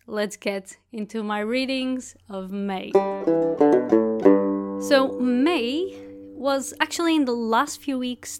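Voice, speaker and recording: A woman talks through her recent reads in a loose, chatty monologue, circling back to fix her own words as she goes. Her voice sits a little high and comes across smooth and clear. She sounds like a podcast host at home, talking freely rather than reading a script. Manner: chatty, rambling, self-correcting. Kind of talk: casual monologue book review.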